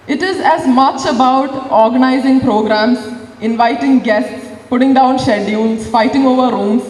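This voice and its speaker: A woman's voice: sits high, darkish tone. A young woman, the outgoing student union chair, giving an earnest, grateful farewell speech at a college ceremony. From India. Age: young adult. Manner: earnest and grateful, listing thanks. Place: large hall. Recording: echoey hall, distant mic, faint ambience.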